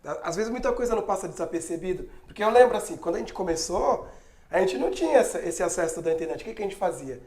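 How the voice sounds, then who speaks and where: A man's voice: high-pitched, expressive, quick pace, a little mellow. A Brazilian man co-hosting an interview, chatty and reminiscing. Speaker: co-host interviewer. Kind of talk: casual interview talk. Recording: roomy, echoey sound.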